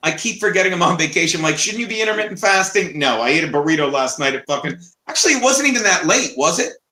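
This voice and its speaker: Loud and very fast, a man speaks at a high pitch with very wide pitch swings. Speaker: comedian. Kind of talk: casual chat.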